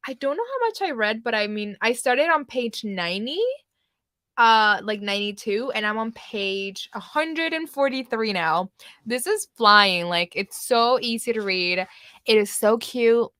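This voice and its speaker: Young woman, bright voice, dry close sound, casual rambling livestream chat, frequent likes and ums. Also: a little high, animated, unhurried, dry recording. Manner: chatty, lots of likes and ums, laughs often. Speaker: book livestream host.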